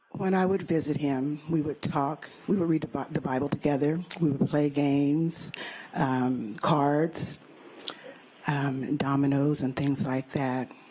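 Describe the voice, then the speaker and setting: Speech comes at a fairly slow pace with very even loudness over noticeable background noise. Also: woman, very deep, low pitch for a woman, fairly even intonation. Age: 60s. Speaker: character witness at a clemency hearing. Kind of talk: testimony. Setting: public hearing room with microphone. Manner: halting, with many fillers.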